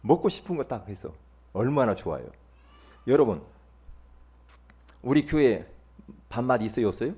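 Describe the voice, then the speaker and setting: Husky-voiced male pastor preaching. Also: medium pitch, moderate pace, pauses often, muffled recording. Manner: animated, conversational, often questions the congregation. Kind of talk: sermon. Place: church.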